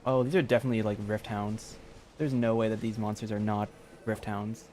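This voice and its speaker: A man's voice: fairly low pitch, fairly even intonation, fairly quick, a little mellow, a little hiss or hum. Man rambling casually while gaming. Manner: rambling, thinking aloud. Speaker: game streamer. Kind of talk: casual live gameplay commentary. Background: faint game music.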